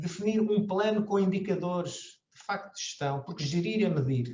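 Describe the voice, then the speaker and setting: A high male voice with ordinary pitch variation at a fairly slow pace. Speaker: company director and university lecturer. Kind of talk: conference Q&A. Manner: halting, many fillers and repetitions.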